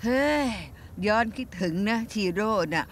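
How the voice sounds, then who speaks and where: Actress doing lonely old granny, fretful then wistful, dubbed drama, music underneath. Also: female voice, medium pitch, animated, unhurried, lightly acted. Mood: fond. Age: older. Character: lonely old woman grieving her lost poodle. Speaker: dubbing actor. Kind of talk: Thai TV drama dub.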